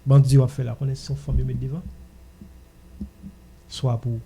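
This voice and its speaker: A man with a Haitian accent hosts a casual radio discussion. His voice is very dark and mellow, with a husky grain to it. It sits at an ordinary male pitch. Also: level tone, normal speed.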